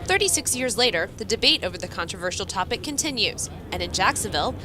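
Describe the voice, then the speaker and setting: A woman's voice: medium pitch, sing-song, fast talker, noisy background. A woman reading scripted news narration as a multimedia reporter.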